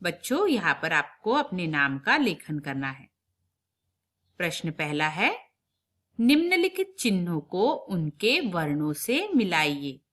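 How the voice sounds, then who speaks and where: Slow, lively woman teacher dictating. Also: lowish voice. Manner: slow, drawn-out dictation with repeated sentences; quicker, explanatory asides to pupils. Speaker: primary school Hindi teacher. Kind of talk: online lesson for young children.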